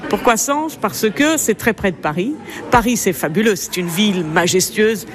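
A woman's voice: mid-range voice, lively intonation, moderate pace, faint music behind. A woman with an Italian accent, a jewellery designer talking about her craft in an interview, effusive and repeating herself as she explains. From Italy. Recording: busy crowd noise behind.

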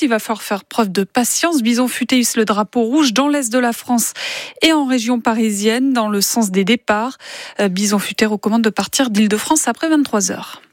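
A woman's voice: on the high side, dry recording. Dry-voiced woman reading radio news. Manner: brisk measured news delivery. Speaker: newsreader.

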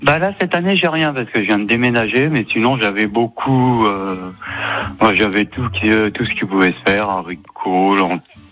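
A French man with a fairly low voice takes part as a game show contestant. He chats casually, with soft music playing behind him. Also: moderate pace. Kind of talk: casual chat.

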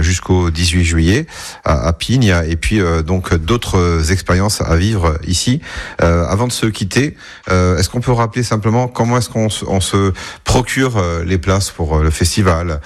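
A man hosting a radio interview, measured and hesitant with fillers. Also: low-pitched. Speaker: radio host.

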